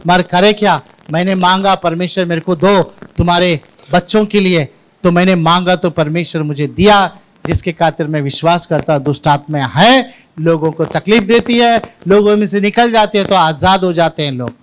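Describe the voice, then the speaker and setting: High-voiced pastor preaching. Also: male voice, moderate pace. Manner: animated preaching, mixing in English words. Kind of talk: Sunday sermon with anecdotes. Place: church service.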